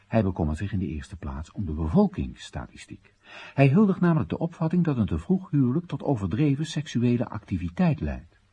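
In a radio drama monologue, an actor uses a low, darkish, breathy and exaggerated voice to play a wry Chinese everyman. He narrates and questions his country's policies in an ironic, rhetorical, theatrical way.

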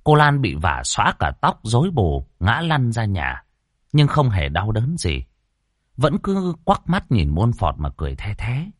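A man narrating a ghost story in a colloquial, expressive way. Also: fairly low pitch, measured pace, dry recording, studio quality.

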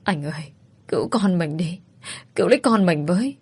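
A woman's voice: lowish voice, fast talker, lightly acted. A woman voicing a scheming pregnant young woman who wails and accuses. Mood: wailing. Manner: plaintive, wailing, accusing.

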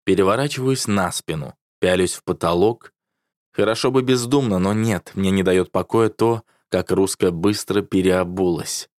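A man narrates a first-person novel in a low register. His delivery is wry and sardonic, close to the mic in a dry, dead-sounding space. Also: no echo. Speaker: audiobook narrator.

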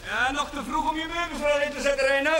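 An actor playing a friendly, kindly Catholic chaplain in a television period drama. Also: male voice, extremely high pitch, quick pace. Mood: genial. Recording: faintly noisy 1970s television soundtrack.

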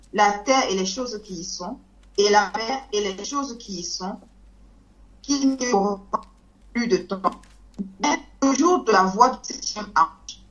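A woman reading scripture aloud in a church teaching, steady and careful. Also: mid-range voice. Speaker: Bible reader. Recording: dull lo-fi sound.

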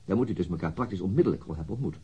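An actor playing a formal, persistent police investigator questioning a witness in a radio drama, with probing questions and hesitant pauses. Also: male voice, low-pitched, animated, dark tone, slightly rough, highs cut off, full character voice.

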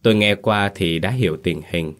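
A man's voice: low-pitched, moderate pace, a bit bright. A man narrating a ghost story in the first person, colloquial and wry.

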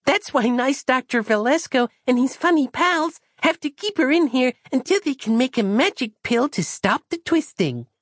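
A man reading an audiobook and voicing a small, naive girl who speaks in a high, piping, sing-song way. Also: no echo, clean studio sound, exaggerated voice. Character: small wise-sounding girl, naive and cheerful.

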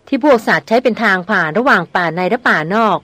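A woman reading the part of a male member of a hunting party, reasoning quickly and decisively in an audiobook. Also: medium pitch, animated, fairly bright tone, no room sound.

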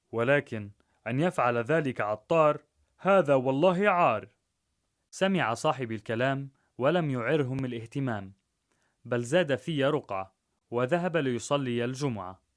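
A man narrating a rhymed story in a measured, rhythmic way. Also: medium pitch, animated.

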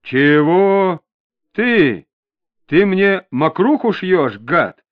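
A man's voice: fairly high pitch, wildly swooping pitch, measured pace, exaggerated voice. Man voicing a snarling young thug. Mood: angry, defiant. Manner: rude, snarling street slang. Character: hostile young male petty thug under interrogation. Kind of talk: audiobook character voice. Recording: dull lo-fi audio.

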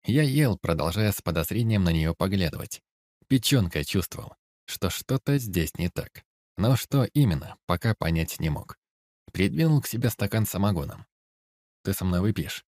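A man narrating a first-person novel in a steady, even storytelling manner. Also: low-pitched, moderate pace, no room sound, clean studio sound. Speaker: audiobook narrator.

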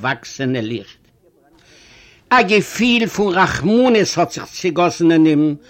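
High-voiced man reading a story. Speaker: reader of a short story. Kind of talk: literary reading.

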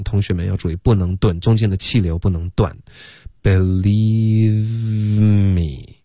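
Low, mellow-voiced radio English teacher. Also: male voice, husky, no room sound, clean studio sound. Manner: explains patiently, drills sounds slowly, mixes English into Chinese. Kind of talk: radio language lesson. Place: radio studio. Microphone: studio mic.

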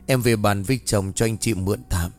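A man's voice: lowish voice, brisk, faint music behind, close to an everyday voice. A man voicing a village woman friend who reassures and hesitantly offers help. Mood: reassuring. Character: helpful village woman friend, hushed and calming.

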